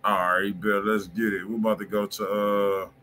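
Bright-voiced laughing man, loose banter. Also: on the low side, little pitch movement, normal speed, a little hiss or hum. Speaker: co-host. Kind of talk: casual live-stream chat.

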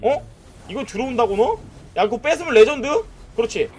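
Talking fairly quickly in a very high-pitched voice, a man streams a mobile game live. He's excitable, shouting at enemies, cheering, and trash-talking with lots of "nice" and "that's it."

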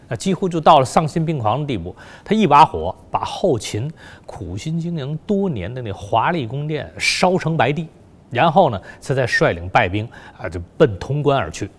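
Lively-pitched male history storyteller. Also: husky. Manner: colloquial, filler-heavy storytelling. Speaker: history lecturer. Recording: long hall reverb.

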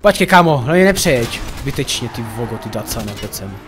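A man's voice: mid-range voice, sing-song, over music. A man giving casual, joking commentary on his own gameplay and talking to viewers as friends. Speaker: gaming YouTuber.

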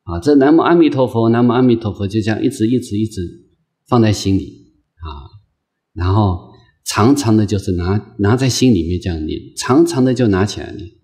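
A man lecturing as a Buddhist monk, his voice low and warm, never sharp. He circles back over the same phrases and moves through the talk patiently, filling gaps with soft drawn-out sounds. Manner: gentle, repetitive phrasing with many drawn-out "ah" fillers; slow, patient, coaxing delivery. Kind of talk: unscripted dharma lecture.

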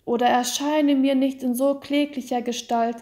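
A woman's voice: high-pitched, steady tone, normal speed, mellow, natural voice. A woman voicing an anguished, remorseful count in a storybook, in an impassioned, pleading, exclamatory manner. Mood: horrified, pleading. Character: anguished, guilt-stricken count, adult man, horrified and remorseful. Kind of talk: dramatic storybook reading.

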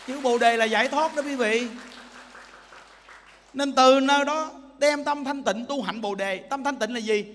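A man's voice: very high voice, a bit bright, in a large hall. A male Buddhist monk, preaching a sermon emphatically and pressing his listeners with rhetorical questions.

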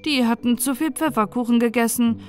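Higher-pitched woman narrating a fairy tale. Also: brisk, darkish tone. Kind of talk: scripted storybook narration for relaxing and falling asleep. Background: music.

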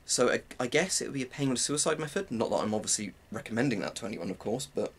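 A man's voice: mid-range voice, animated, fast. A British man in his twenties giving an informal, rambling explanation as he demonstrates gear. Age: 20s. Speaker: presenter of military gear reviews. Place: small cluttered room at home. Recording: clearly noisy home-room recording.

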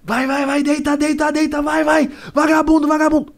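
Frantic armed guard, high, fast and yelling orders, a man putting him on. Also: steady tone. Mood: shouting. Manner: shouting, frantic, repetitive commands. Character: jumpy armed male security guard barking orders.

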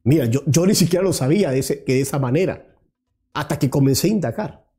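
He talks fast in a mellow, slightly high voice over soft background music. The thirty-something host delivers combative political commentary from a small studio with a virtual set, using a lapel mic and hurling rhetorical questions at his target.

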